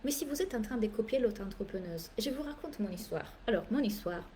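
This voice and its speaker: A woman's voice: mid-range voice, fairly quick, a little hiss or hum. A woman business coach speaking French as a second language, giving a live masterclass talk that is emphatic and playful, repeating phrases for effect. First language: not French. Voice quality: animated, playful, theatrical asides.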